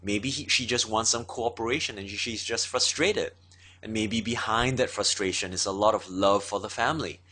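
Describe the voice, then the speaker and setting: A man teaches in a steady lecturing manner, often pausing on fillers as he works through his points. His voice sits on the lower side but carries a bright, forceful edge. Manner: steady explaining with frequent fillers. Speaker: instructor. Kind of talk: explanatory lecture.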